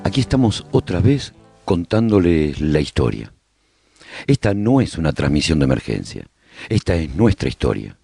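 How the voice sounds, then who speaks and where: Guy playing a solemn survivor telling his colony's story for radio, real low voice, swings up and down a lot. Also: big pitch swings, normal speed, creaky, warm tone, breathy edge, soft background music, full character voice. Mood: solemn, inviting. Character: male survivor chronicling his post-apocalyptic colony, earnest and resolute. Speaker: narrator. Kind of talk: scripted radio drama narration.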